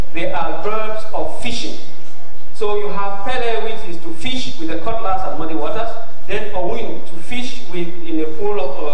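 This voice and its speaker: Amid light background noise and audible room echo, a man talks at a moderate pace with ordinary pitch variation. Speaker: professor giving inaugural lecture. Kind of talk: lecture. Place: hall. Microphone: podium.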